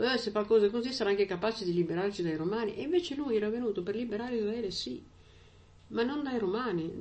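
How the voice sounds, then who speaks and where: A woman's voice: on the high side, darkish tone. Woman giving a chatty sermon. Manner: conversational, with frequent "eh?" and "no?" asides. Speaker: preacher.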